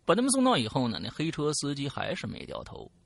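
A man hosting a talk show, retelling a listener's story in an animated way with casual swearing. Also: a little high, quick pace, creaky, no echo. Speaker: host reading a listener's story.

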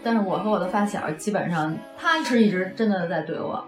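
A woman's voice: mid-range voice, brisk. Woman co-host, casual talk, echoey, music under it. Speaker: podcast co-host. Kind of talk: casual chat. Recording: roomy echo, music behind.

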